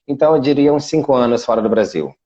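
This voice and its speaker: A man's voice: medium pitch, animated, quick pace, warm tone, breathy edge, lo-fi sound. A Brazilian man from Salvador, a guest in a casual video interview, explaining at length with frequent fillers. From Brazil (Salvador, Bahia). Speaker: guest, international relations specialist. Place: Portugal.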